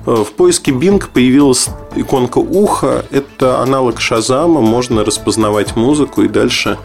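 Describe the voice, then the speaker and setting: A man's voice: medium pitch, moderate pace, vocal fry, soft background music. A man giving an informal spoken tech review in a matter-of-fact, skeptical, explanatory manner. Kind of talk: informal spoken product review, loosely scripted.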